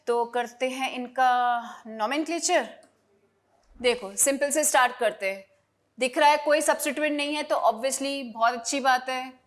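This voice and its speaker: A woman teaching chemistry in an online lesson, repeating each step and asking and answering her own questions. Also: on the high side.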